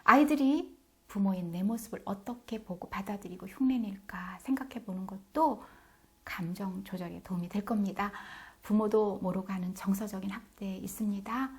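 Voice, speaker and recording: A woman's voice: medium pitch, normal speed, a little mellow. A middle-aged woman giving parenting advice to camera in an emphatic way, acting out scolding mothers and dropping into whispered asides. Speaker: parenting educator.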